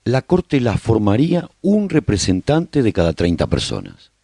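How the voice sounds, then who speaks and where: Guy playing a solemn survivor telling his colony's story for radio, real low voice, swings up and down a lot. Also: huge pitch swings, moderate pace, gravelly, mellow, dry recording, clean studio sound, heavily acted. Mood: measured, solemn. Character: male survivor chronicling his post-apocalyptic colony, earnest and resolute. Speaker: narrator. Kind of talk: scripted radio drama narration.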